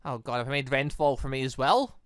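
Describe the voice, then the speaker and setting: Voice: medium pitch, brisk, clean tone, dry recording, clean studio sound. A gaming channel host giving casual, rambling playthrough commentary on a visual novel, exclaiming and reading bits of dialogue aloud. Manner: animated, exclaiming, rambling asides.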